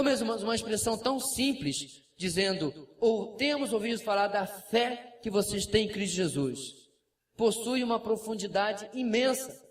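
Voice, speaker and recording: A Brazilian man with a Brazilian Portuguese accent preaching a lively sermon in a church, with asides and acted quotes. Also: sits high. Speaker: pastor. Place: church sanctuary. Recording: distant mic, faint room noise.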